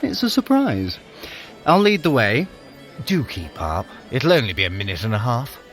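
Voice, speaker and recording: A man's voice: medium pitch, big pitch swings, normal speed, soft background music, natural voice. A male actor playing a sardonic, fussy trickster god in an audio drama, with theatrical, scornful, aristocratic delivery. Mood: haughty, mocking. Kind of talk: scripted audio drama dialogue.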